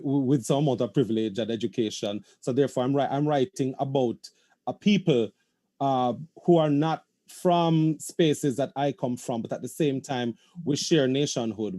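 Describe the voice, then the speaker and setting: Thoughtful man with a mellow voice. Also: mid-range voice. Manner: thoughtful, halting with restarts. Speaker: playwright. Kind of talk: panel discussion. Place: video call.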